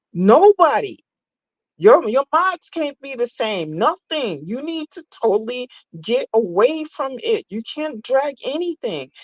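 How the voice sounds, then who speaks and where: Animated and high pitched, a woman speaks at a fairly slow pace with very wide pitch swings and big swings in loudness, in a dry, close sound with no echo over a quiet background. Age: 60s. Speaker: YouTube content creator. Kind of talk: casual chat.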